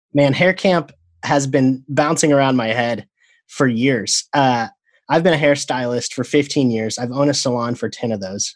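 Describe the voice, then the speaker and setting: A man with an American accent speaks at a medium pitch and moderate pace, with ordinary pitch variation. He has an ordinary speaking voice, and the background is quiet. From Pennsylvania (Meadville). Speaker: hairstylist and education founder. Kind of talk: casual interview.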